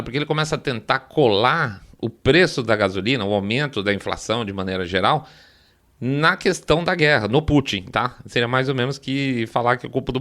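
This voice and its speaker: A man's voice: medium pitch, a bit bright. A man with a Brazilian Portuguese accent giving sarcastic, opinionated political commentary on a podcast, often checking in with the listener. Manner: sarcastic, mocking, checks in with a frequent "tá?".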